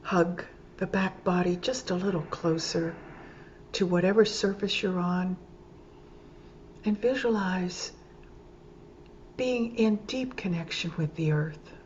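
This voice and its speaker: A woman teaching yoga nidra, leading a guided meditation calmly and gently, in short phrases with pauses between them. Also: lowish voice. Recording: dull lo-fi sound with clear background noise.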